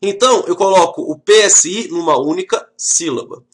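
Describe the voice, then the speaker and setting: Professor brasileiro de voz aguda e animada. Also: male voice, sits high, normal speed. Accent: Brazilian Portuguese. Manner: lively, joking, talks straight to the class. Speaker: teacher. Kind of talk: video lesson.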